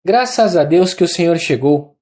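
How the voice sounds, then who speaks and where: A narrator with a Brazilian accent voicing a kindly middle-aged midwife, speaking in a warm, reassuring tone with a raised voice. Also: mid-range voice, animated, normal speed, voice pushed up, natural voice. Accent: Brazilian Portuguese.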